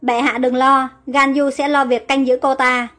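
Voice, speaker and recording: A woman's voice: high voice, flat delivery, normal speed, fairly bright tone, faint music behind. A woman voicing a cautious male court official who addresses the king deferentially.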